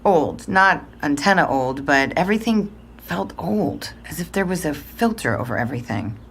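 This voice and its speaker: A woman's voice: deep voice, lively intonation, moderate pace, a bit bright, a little hiss or hum. An actress playing an unsentimental middle-aged mother in an audio drama, answering interview questions in a dry, clipped way. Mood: bleak, dry. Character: curt, unsentimental middle-aged mother, estranged from her father.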